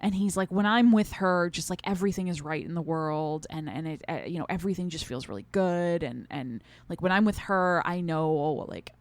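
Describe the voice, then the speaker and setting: A woman's voice: lowish voice, normal speed, few pauses, no echo. A woman co-hosting a podcast in casual conversation, retelling things in detail and acting out quotes as she goes. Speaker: podcast co-host.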